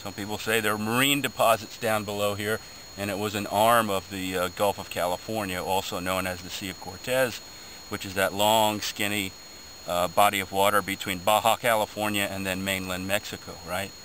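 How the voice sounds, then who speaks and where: With fairly low pitch and monotone, flat intonation, a man speaks at a fairly quick pace in a dry sound with no echo over light background noise. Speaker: presenter. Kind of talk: educational outdoor commentary. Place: open country. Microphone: phone near.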